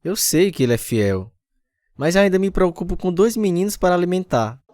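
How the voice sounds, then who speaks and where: Here a high-pitched, very animated man in his 30s speaks at a moderate pace, sounding worried. He plays the lead and narrator of a radio drama, a repentant husband earnestly confessing his conversion story against acoustic guitar.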